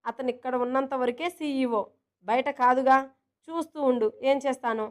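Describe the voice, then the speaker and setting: A bold, pouting young office girl, played by a woman storyteller; high voice, quick and cheeky. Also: lightly acted. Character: playful, headstrong young woman office worker.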